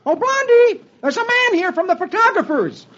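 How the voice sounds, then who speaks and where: A man voicing a hapless comic-strip husband who yells in a high, flustered voice, on a dull old radio recording. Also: very animated, moderate pace, full character voice. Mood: frantic.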